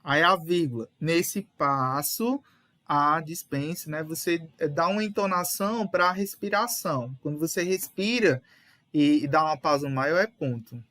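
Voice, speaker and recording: A man's voice: on the high side, normal speed, fairly bright tone, no room sound. A young man explaining a lesson casually and patiently, correcting readers and dropping lots of fillers. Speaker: teacher leading a reading session.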